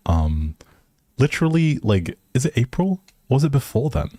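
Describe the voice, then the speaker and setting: Man, dark relaxed tone, dry close recording, casual livestream host, hesitant and rambling, appreciative. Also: medium pitch, moderate pace, no echo. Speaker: live streamer, host. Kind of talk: casual livestream chat with viewers.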